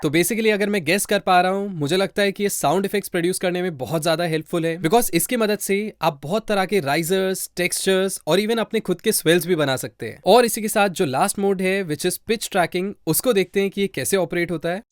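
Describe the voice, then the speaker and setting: Indian guy in his 20s doing a tutorial, highish voice, really dry mic, explains step by step. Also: a little fast, hardly any pauses, dry recording. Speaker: music production tutor. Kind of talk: conversational software tutorial in Hindi mixed with English. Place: small indoor home studio. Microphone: close studio microphone.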